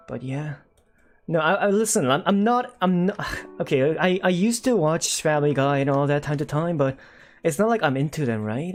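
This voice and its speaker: A man in his twenties on a casual livestream, chatting with viewers and reading their comments. He rambles, with many fillers and self-corrections. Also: on the high side. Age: 20s. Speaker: streamer.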